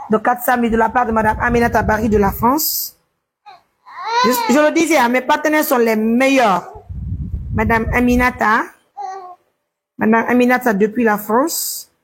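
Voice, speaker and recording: A woman who coos softly to calm a crying baby and announces incoming donations in an animated way. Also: high voice, breathy edge, rough recording. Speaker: journalist running a donation appeal. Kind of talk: live fundraising appeal while soothing a baby.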